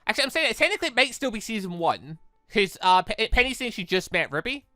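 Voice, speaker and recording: A man's voice: high-pitched, sing-song, quick pace, bright, forceful tone, no echo, studio quality, soft background music. A man giving casual let's-play commentary, rambling as he repeats and rephrases himself. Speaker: gaming video host.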